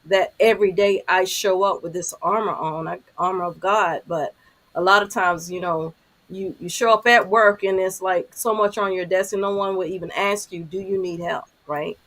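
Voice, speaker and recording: Woman, 50s, deep low voice, reflective panelist over a video call. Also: steady tone, normal speed, fairly bright tone. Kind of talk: candid panel talk.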